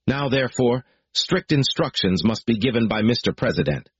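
A man reading out a formal political declaration in a solemn, deliberate, measured way. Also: medium pitch, lively intonation, husky, dry recording. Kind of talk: formal read proclamation. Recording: dry, dull lo-fi recording.

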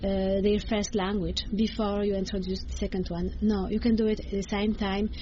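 A woman's voice: mid-range voice, level tone, moderate pace, dark tone, slight background noise. A woman whose first language is Polish, speaking English with a Polish accent as a bilingual education coach, explaining earnestly with frequent hesitations. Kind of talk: interview answers. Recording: slightly dull with faint ambience.

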